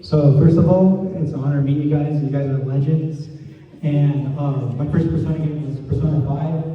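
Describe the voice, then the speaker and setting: A man's voice: on the high side, steady tone, brisk. A man in the audience politely asking the panel a question. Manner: polite, earnest. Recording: muffled, echoey hall from far off.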